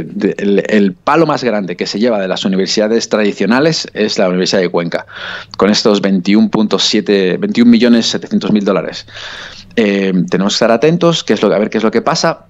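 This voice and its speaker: A man from Spain with a Spanish accent, a researcher speaking haltingly in a phone interview, with many restarts and fillers. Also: on the low side, lo-fi sound. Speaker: researcher guest.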